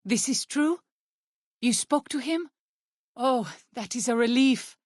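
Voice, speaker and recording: An actress voicing a solemn, devout tribal woman in a video game, speaking in a formal, measured and earnest way. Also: a little high, lively intonation, dry recording, clean studio sound. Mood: relieved. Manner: formal, measured, earnest speech with few contractions. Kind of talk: video game character dialogue.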